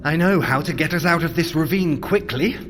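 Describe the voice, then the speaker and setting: An actor playing a cocky, smooth-talking trickster god in an audio drama, with a sardonic, wordy and wheedling manner. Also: male voice, fairly high pitch, brisk, a bit bright, a little hiss or hum, lightly acted. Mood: confident, wry.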